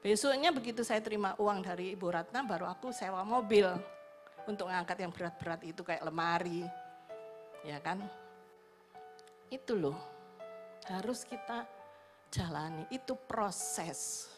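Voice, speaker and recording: A woman evangelist giving a sermon testimony, telling her story in a lively way and acting out the people in it. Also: mid-range voice, a little slow, pauses often, music in the background. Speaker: evangelist preacher. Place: church service.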